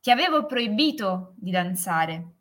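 A woman's voice: mid-range voice, sing-song, a little slow, fairly bright tone. A woman voicing a stern, unbending father in a fairy tale. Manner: stern, firm.

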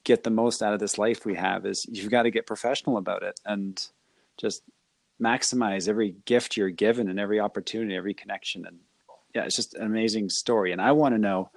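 A man's voice: lowish voice, steady tone, fast, creaky, dry recording. A man hosting an interview, asking long, enthusiastic questions that ramble with restarts. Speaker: podcast host. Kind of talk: interview chat.

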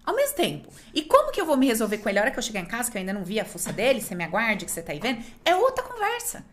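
Brazilian woman podcast host, rather high and very animated voice, quick emphatic delivery. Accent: Brazilian Portuguese. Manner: expressive, emphatic storytelling. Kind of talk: casual chat.

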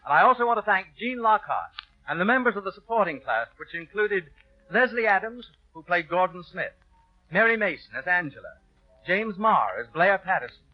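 High-pitched male 1930s radio announcer. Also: sing-song, normal speed. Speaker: radio show host and announcer. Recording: muffled 1930s radio broadcast with music.

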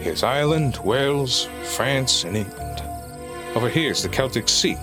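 A man playing an older, wily pilot and treasure hunter in an adventure audio drama, folksy, world-weary and unhurried. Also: mid-range voice, lively intonation, over music, lightly acted. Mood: businesslike.

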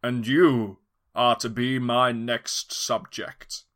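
A pompous mad scientist, as a man puts him on, drawing out each grand pronouncement at an unhurried pace. The voice rings bright and forceful, savoring every word of his comedy-story scheme. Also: medium pitch, level tone. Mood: grandiose. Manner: slow, grandiose proclamations.

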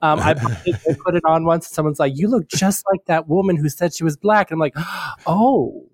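A man's voice: a little high, a little fast, dry recording, studio quality. A man chatting casually on a podcast as a guest, with the gushing, campy delivery of a drag queen. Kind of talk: casual chat.

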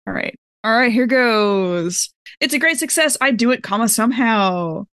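A woman's voice: a little high, expressive, moderate pace, fairly bright tone, no echo, studio quality. A woman playing a tabletop game, thinking through her moves aloud in casual chat.

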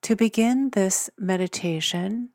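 Female meditation guide, calm and soothing, unhurried delivery, dry close mic. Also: medium pitch, no echo. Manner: slow, gentle and soothing.

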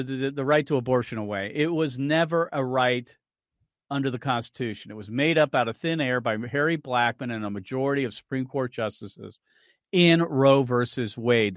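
A man's voice: mid-range voice, animated, brisk, dry recording, studio quality. A man hosting a radio talk show, giving opinionated, argumentative commentary and cueing clips to play.

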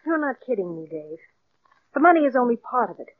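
An exasperated wife in an old radio play, high and lively, dull sound. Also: female voice, quick pace. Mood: urgent. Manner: pleading, then resolute. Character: worried, fed-up wife of a writer.

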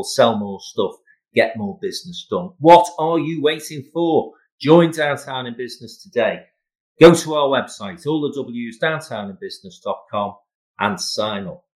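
A man's voice: medium pitch, poor audio. A man speaking as a podcast host, presenting and promoting in an emphatic, salesman-like way. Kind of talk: podcast interview and promotional announcements.

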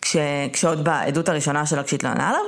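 A young woman co-hosting a podcast in casual chat, emphatic and animated, often checking in with "okay?". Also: deep voice, gravelly. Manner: animated, emphatic, peppers talk with "okay?" and "right?". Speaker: podcast co-host.

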